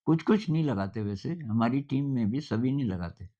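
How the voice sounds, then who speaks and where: An older man talks informally at a middle pitch, in a conversational, storytelling manner with thoughtful pauses. The recording sounds somewhat dull and lo-fi. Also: animated, warm tone. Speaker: speaker giving a talk on simplicity. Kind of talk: informal spoken talk.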